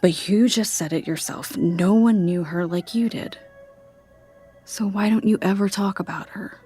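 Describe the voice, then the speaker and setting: A woman acting as a caring, searching young niece, hesitant and gently pleading, in a naturalistic audio drama. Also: mid-range voice, measured pace, soft background music, natural voice.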